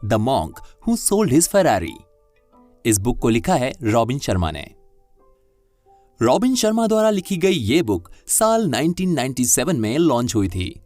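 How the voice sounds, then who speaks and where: A man narrating a scripted audiobook-style story in a measured, explanatory way, speaking directly to the listener. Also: mid-range voice, huge pitch swings, a little mellow, dry recording. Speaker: voice-over artist narrating an audiobook summary. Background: music.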